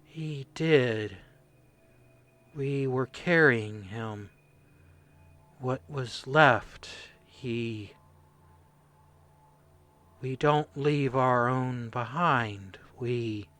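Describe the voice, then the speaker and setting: A man acts out a shaken male corporal in a radio play. He speaks very slowly, in fragments, as if haunted by what he recounts. The voice is mid-pitched with a forceful, bright edge. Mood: sedated, grieving. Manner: halting, haunted, fragmented delivery. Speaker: voice actor.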